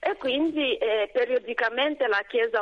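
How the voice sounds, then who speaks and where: Her intonation lively, a woman talks rather unhurriedly. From DR Congo, South Kivu. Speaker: nun, superior general of a congregation. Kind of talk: radio interview. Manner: halting, with many fillers.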